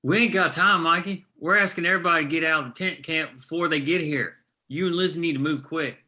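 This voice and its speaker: Guy reading as blunt folksy union man, urgent, drama script, sharp forceful voice. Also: fairly high pitch, fast. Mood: urgent, wry. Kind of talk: screenplay table read.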